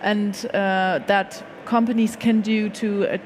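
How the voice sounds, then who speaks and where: A woman's voice: mid-range voice, little pitch movement, a little slow, darkish tone, a little hiss or hum. A woman interviewing a guest at a trade fair, asking questions politely, with hesitations and easy laughter.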